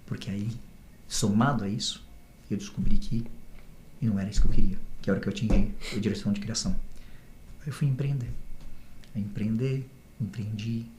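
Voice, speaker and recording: A man's voice: on the low side, dark tone. Podcast guest, man, slangy and profane storyteller, roomy echoey sound. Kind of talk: casual storytelling interview. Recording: roomy echo, faint noise.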